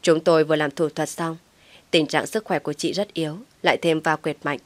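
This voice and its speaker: A woman voicing a calm hospital doctor. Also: low-pitched, no echo, natural voice. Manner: measured, soothing.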